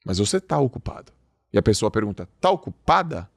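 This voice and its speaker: Gravelly Brazilian man, motivational podcast host. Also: lowish voice, animated, fast, a little mellow, no echo, studio quality. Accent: Brazilian Portuguese. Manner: emphatic, acts out quoted dialogue. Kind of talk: motivational talk. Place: podcast studio.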